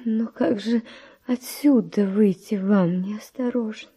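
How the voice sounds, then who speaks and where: An actress playing an anguished, wavering, tender woman in a radio verse drama, breathy and often dropping to a whisper. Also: medium pitch, takes it slowly, warm tone. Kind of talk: classic Russian radio drama acting of verse.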